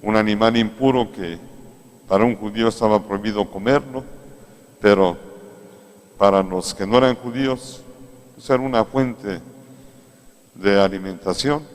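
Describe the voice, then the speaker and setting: A Mexican priest preaching a sermon in an unhurried, conversational way, coming back to key phrases again and again. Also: male voice, fairly low pitch. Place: large cathedral. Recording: echoey cathedral sound.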